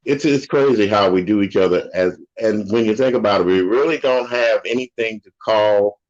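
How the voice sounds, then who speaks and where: Older man, low voice, opinionated rambling talk, dull lo-fi sound. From United States. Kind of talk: casual chat. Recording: dull lo-fi audio.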